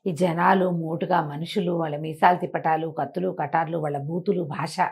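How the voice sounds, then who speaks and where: A woman's voice: low voice, steady tone, moderate pace, gravelly, darkish tone. A woman telling a children's story aloud in a conversational way, explaining with asides and rhetorical questions. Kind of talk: oral moral storytelling for children, acting out dialogue.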